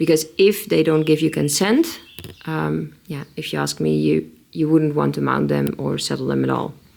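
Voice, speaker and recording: Against noticeable background noise, the speaker talks with a Dutch accent. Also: woman, moderate pace. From Netherlands. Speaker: horse trainer. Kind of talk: casual vlog narration. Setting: outdoors at stables. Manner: hesitant, many fillers.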